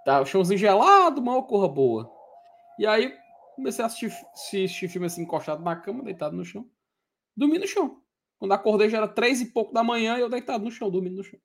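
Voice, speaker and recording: A man's voice: high-pitched, lively intonation, fast talker, creaky. A man co-hosting a casual chat, tired and joking in teasing banter. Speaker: podcast co-host.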